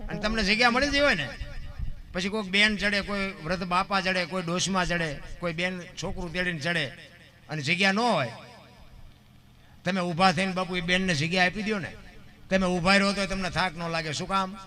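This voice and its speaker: A man with a Kathiawadi Gujarati accent telling folk tales on a live stage, mixing sung verses with stories. He swings from loud declaimed lines to low, confiding talk. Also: normal speed. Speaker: dayro storyteller. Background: musical instruments.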